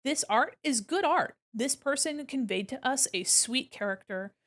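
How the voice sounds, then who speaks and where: A woman hosting a casual art livestream, explaining as she works and speaking in a gentle, encouraging way. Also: high voice, animated, unhurried. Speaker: art streamer and critique host. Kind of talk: casual livestream commentary while drawing, reading chat aloud.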